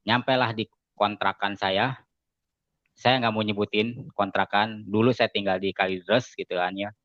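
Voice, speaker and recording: Low-voiced man telling an animated story. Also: normal speed, no room sound. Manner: animated storytelling, acting out quoted dialogue with raised pitch. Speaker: guest giving a conversion testimony. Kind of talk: casual spoken testimony. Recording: dull, slightly lo-fi dry sound.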